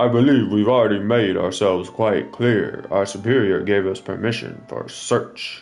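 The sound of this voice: Using a put-on character voice, a man speaks at a moderate pace in a fairly low pitch, with faint music in the background. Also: fairly even intonation.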